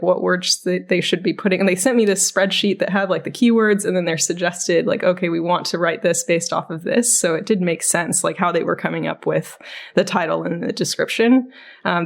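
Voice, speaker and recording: A woman co-hosting a podcast in casual, informal chat, often dropping "like" into her sentences. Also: on the low side. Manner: informal, frequent "like". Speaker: podcast co-host.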